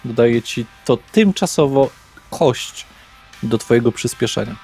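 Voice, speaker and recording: A man's voice: mid-range voice, animated, measured pace, breathy edge. A man running a horror tabletop game as game master, narrating atmospherically and dropping casual asides to the players. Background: soft guitar music.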